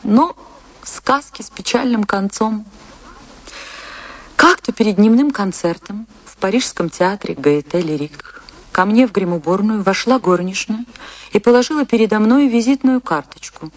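A woman's voice: mid-range voice, lightly acted. An actress playing a romantic, anguished woman dancer who tells her tragic love story in a theatrical, emotive radio monologue. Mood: wistful storytelling. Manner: theatrical, wistful, emotive delivery with dramatic pauses. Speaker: actress narrating a radio play. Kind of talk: dramatic first-person radio play monologue. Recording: radio play with music behind.

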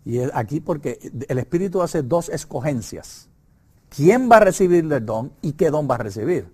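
A man's voice: fairly high pitch, lively intonation, moderate pace, warm tone, breathy edge. Emphatic Puerto Rican man teaching scripture. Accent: Puerto Rican Spanish. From Puerto Rico. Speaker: Bible lesson presenter. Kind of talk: conversational Bible study lesson.

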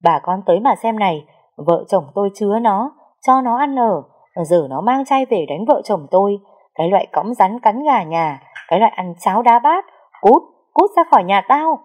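A woman voicing a drunken, abusive middle-aged man who yells insults at his niece. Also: medium pitch, expressive, normal speed, lightly acted. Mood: furious ranting. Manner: ranting, insulting, shouting.

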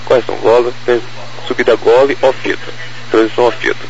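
A man reading aviation clearances in a procedural, monotone way over radio. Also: medium pitch, a little fast. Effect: radio transmission. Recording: dull, faintly noisy aviation radio.

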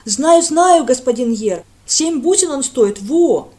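A woman doing a loud, simple village lad. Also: high-pitched, expressive, takes it slowly, voice pushed up. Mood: boastful. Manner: loud, eager, drawling folksy talk. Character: big simple-minded village lad, eager.

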